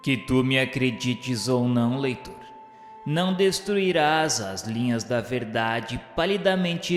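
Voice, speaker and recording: A man with a Brazilian accent playing the remorseful spirit of a blind suicide from the nineteenth century, confessing in solemn, grandiloquent literary monologue for a radio drama. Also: medium pitch. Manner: solemn, grandiloquent, slow declamation. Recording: echoey hall reverb, music underneath.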